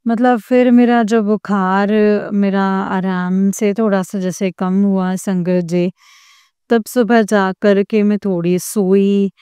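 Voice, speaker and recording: An older woman speaks slowly through a devotional testimony, stopping often to address the congregation with respect. Her voice is dark and mellow but very clear and smooth, and she sounds weak after a recent fever. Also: medium pitch, fairly even intonation, no room sound, studio quality. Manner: halting, with frequent pauses and respectful address to the congregation.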